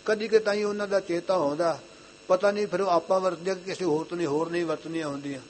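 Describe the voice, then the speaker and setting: A young man giving an earnest Sikh sermon, repeating his phrases and reciting scripture lines slowly in a chanting way. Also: high voice, steady tone. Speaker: Sikh preacher.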